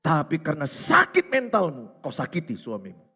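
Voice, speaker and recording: A pastor preaching a sermon, hammering points home with repetition and rhetorical questions. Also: male voice, fairly high pitch, huge pitch swings, normal speed, bright, forceful tone, slightly rough. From Indonesia. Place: large church hall. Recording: reverberant church hall with music.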